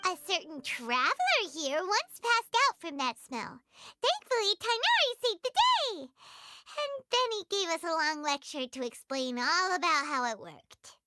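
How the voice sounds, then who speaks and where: Tiny floating fairy sidekick, squeaky, very high and swooping, excitable, game music underneath. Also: female voice, unhurried, full character voice. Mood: chatty, curious. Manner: squeaky, childlike, speaks of self in third person. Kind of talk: video game voice acting.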